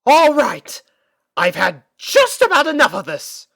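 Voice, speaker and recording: A woman's voice: high voice, wildly swooping pitch, measured pace, creaky, fairly bright tone, voice pushed up, heavily acted. A woman voicing a refined, fussy young lady pony who talks in a theatrical, prim and genteel way. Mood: frustrated, determined.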